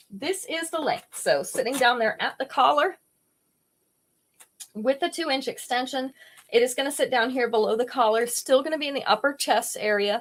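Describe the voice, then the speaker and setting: On a jewelry live stream, a woman with a fairly high voice presents each item in turn. She keeps things relaxed and conversational, calling out to viewers by name.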